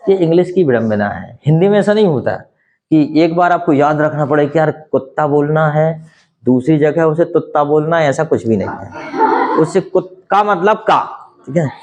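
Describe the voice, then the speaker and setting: A man whose first language is Hindi, teaching a spoken English lesson and explaining slowly with many rhetorical questions. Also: fairly high pitch, animated, darkish tone, muffled recording.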